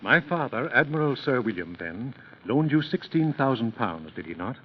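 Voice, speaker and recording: An actor playing a calm, steadfast Quaker man who speaks plainly and firmly, in an old radio drama. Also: mid-range voice, moderate pace, husky. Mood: firm, earnest. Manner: earnest, firm, plain speech. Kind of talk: 1930s radio drama acting. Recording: dull lo-fi old radio transcription with faint hiss.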